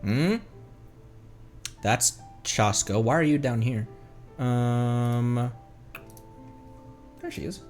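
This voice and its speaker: A man streaming a game, talking casually to viewers in an animated, rambling way and muttering to himself. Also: mid-range voice, very slow, long pauses, faint music behind. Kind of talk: casual livestream gaming chat with viewers.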